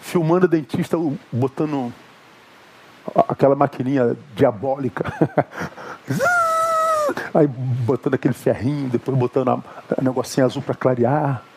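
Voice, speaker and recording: A man's voice: medium pitch, steady tone, normal speed, pauses often, dark tone, slightly rough. A man with a Brazilian Portuguese accent preaching a sermon as pastor, emphatic, with asides to the congregation.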